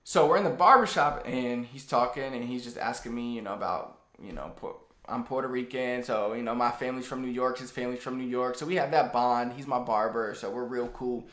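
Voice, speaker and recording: A man in his thirties giving a casual, animated lesson to the camera in a small room. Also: mid-range voice, a little fast, few pauses, echoey room. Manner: animated, gestures a lot while talking. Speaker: language teacher. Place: small plain room indoors.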